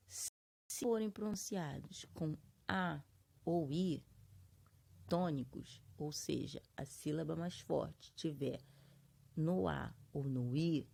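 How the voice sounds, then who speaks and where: This Portuguese teacher from Brazil has a low, gravelly, dark voice. In a classroom grammar lesson she explains things patiently, drawing out example words one syllable at a time, and speaks with a Brazilian Portuguese accent.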